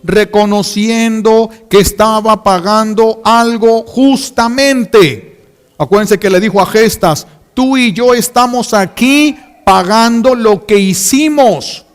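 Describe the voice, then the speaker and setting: A man's voice: high-pitched, slow, big-room sound. A Catholic priest preaching a sermon, pleading with his listeners, repeating himself and asking rhetorical questions.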